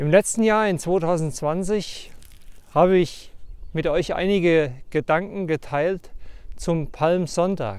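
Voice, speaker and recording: In a dry recording with no echo, a man talks at a high pitch and a very slow pace, with ordinary pitch variation and long, frequent pauses. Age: 40s. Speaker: lay preacher. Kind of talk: devotional talk to camera. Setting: outdoors. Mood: calm, encouraging. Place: open country.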